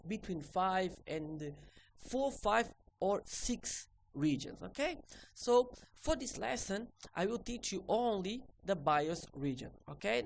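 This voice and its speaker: A woman whose first language is Portuguese, teaching a recorded repair lesson in halting English and ending most sentences with "okay?". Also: on the low side, vocal fry, a little hiss or hum.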